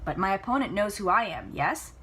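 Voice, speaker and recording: A woman's voice: medium pitch, very animated, a little fast, sharp tone, a little hiss or hum. A woman voicing a defiant, sarcastic young woman magician in a storybook reading, emphatic and challenging. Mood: frustrated.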